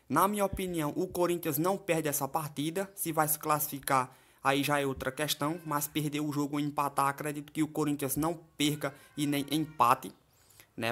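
A man talks through football betting tips as a voice-over on a screen recording. His voice sits a little high for a man, and he keeps it chatty, checking in with his viewers as he goes. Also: fairly bright tone. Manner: chatty, keeps asking "tá certo?" and "né?". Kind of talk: casual screen-share commentary. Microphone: voice-over over a phone screen.

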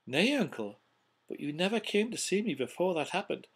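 A man voicing a cheerful, warm-hearted young nephew from a storybook, pleading earnestly. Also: high voice, sing-song, moderate pace, breathy edge, pitched above the performer's own voice, exaggerated voice. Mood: earnest appeal. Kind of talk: storybook character reading.

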